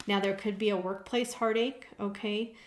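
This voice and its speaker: A woman of middling pitch reads tarot cards for her viewers. She talks casually and keeps checking in with little "okay?" asides. Her voice rings a bit in an echoey room. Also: fairly even intonation, moderate pace. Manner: conversational, frequent "okay?" check-ins. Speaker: tarot reader. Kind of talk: tarot reading to camera.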